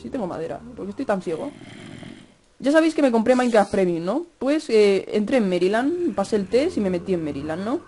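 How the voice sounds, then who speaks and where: Fast-talking young Spaniard gaming. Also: male voice, high-pitched, very animated, slight background noise. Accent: Spain Spanish. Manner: fast-talking, chatty, cursing and shouting at game mobs. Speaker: gaming youtuber. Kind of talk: Minecraft gameplay commentary.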